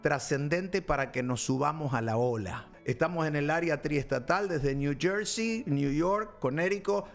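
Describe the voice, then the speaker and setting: A man's voice: on the high side, measured pace, gravelly, few pauses, soft background music. A man hosting a Christian talk show as a pastor, speaking in a preachy, rambling way with fillers and restarts. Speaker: pastor and program host.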